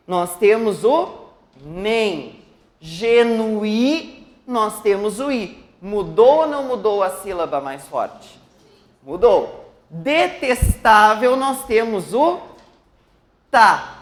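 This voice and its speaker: A woman's voice: on the high side, darkish tone. A woman leads an exam-prep lesson, taking her time over every word and often stopping to ask the class a question. Her voice rings out in an echoey room. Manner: explains step by step, asks students questions. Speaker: teacher.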